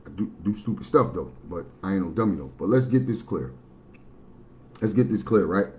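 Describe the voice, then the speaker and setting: Blunt baritone man speaking matter-of-factly. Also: lively intonation, a little fast, background noise. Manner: blunt, matter-of-fact, rambling with restarts. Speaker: livestream host. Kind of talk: casual livestream monologue.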